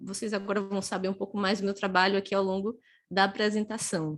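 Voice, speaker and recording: A woman with a Pernambuco accent speaks at a medium pitch. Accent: Pernambuco (northeastern Brazilian). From Brazil, Pernambuco. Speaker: career content creator, former recruiter. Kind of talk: online career talk. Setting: live stream. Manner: fast; casual, engaging with chat.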